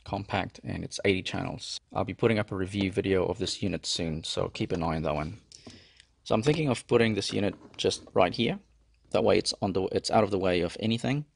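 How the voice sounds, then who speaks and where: A man's voice: low-pitched, gravelly, no echo. A man presenting a casual hands-on how-to tutorial. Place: in and around a car.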